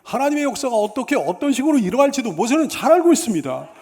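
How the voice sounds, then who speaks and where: A man's voice: very high-pitched, big pitch swings, darkish tone. A middle-aged male pastor preaching a sermon with rising, emphatic rhetorical questions, in a church sanctuary. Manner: sings a hymn slowly, then preaches with rising emphatic questions. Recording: church sanctuary with long reverb.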